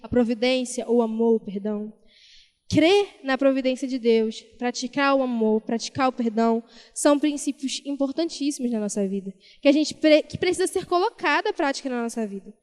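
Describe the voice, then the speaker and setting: A woman's voice: fairly high pitch, moderate pace, a little mellow. A woman preacher giving a Sunday sermon, telling a story and repeating key phrases for emphasis. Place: church. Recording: reverberant church hall.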